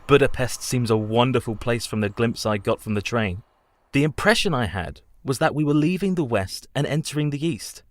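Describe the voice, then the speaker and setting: Courteous, uneasy young English traveler in a radio play, acted by a man, mid-pitched and expressive. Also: moderate pace, dry recording, natural voice. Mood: letter narration. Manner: polite, proper, increasingly nervous.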